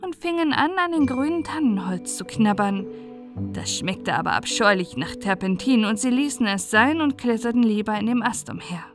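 A woman's voice: fairly high pitch, animated, moderate pace. A woman reading a scripted storybook tale as a narrator, in a bedtime audiobook style. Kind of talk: scripted storybook narration for relaxing and falling asleep. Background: music.

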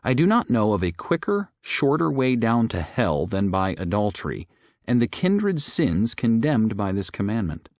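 A man narrating a religious audiobook, reading scripted text in a measured, deliberate way. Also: lowish voice, sing-song, a little mellow, no room sound, clean studio sound.

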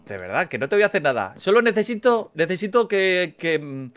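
A man's voice: sits high, big pitch swings, brisk. A man from voicing a pushy, shifty male demon in a Minecraft roleplay, insistent and repetitive. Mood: pleading. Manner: insistent, repeats himself, swings between pleading and shouting.

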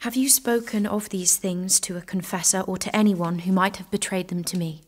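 An actress playing an earnest, bold and devout young peasant maiden in an audio drama. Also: female voice, mid-range voice, steady tone, normal speed, natural voice. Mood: solemn, assured.

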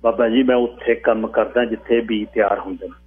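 A man doing a quiet, low-voiced young student. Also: fairly even intonation, a little fast, soft background music, close to an everyday voice. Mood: calm. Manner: low, quiet and matter-of-fact. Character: calm young male agriculture student. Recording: tinny phone-like radio broadcast.

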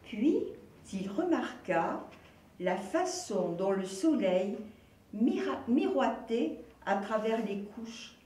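Slow gentle woman reading a picture book. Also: a little high, sing-song, a little hiss or hum. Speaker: volunteer reader. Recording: roomy echo, distant mic.

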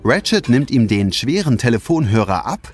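A man's voice: medium pitch, very animated, moderate pace. A man narrating a children's audio drama in a scripted storytelling style. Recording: loud music behind the voice.

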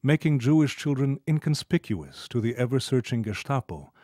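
A man reads scripted documentary narration in a formal, measured way. His pitch sits in the middle range. The recording is dry, with no room sound. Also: animated, warm tone, no room sound.

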